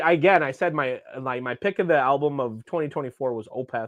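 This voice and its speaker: A man's animated voice at a fairly quick pace. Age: 40s. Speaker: school principal. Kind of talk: casual chat. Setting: live stream.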